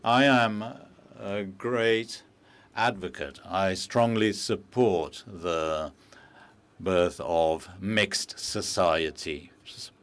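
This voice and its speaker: A man working as a simultaneous interpreter for a formal speech, measured and halting with frequent pauses and fillers, into a booth microphone. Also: sits low, a bit bright. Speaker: conference interpreter.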